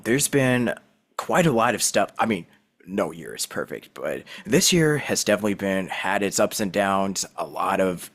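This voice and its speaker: A man's voice: lowish voice, a bit bright. A man from Southern California hosting a casual voice-acting interview, rambling with lots of fillers and laughing easily. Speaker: podcast host.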